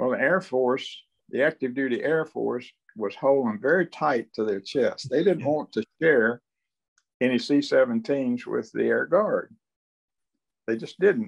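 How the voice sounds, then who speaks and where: A man with a Mississippi accent, fairly high-pitched, lively intonation, a fairly slow pace, long and frequent pauses, and a quiet background. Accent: US Southern (Mississippi). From northeast Mississippi hill country. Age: 80s+. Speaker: retired air force general and fighter pilot; guest. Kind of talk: interview storytelling. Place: home room. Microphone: video call.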